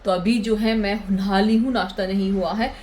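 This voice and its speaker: A woman's voice: mid-range voice, steady tone, normal speed, darkish tone, a little hiss or hum. A young woman, chatting casually to viewers in a home vlog, repeating words for emphasis. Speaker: vlogger. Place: home, indoors.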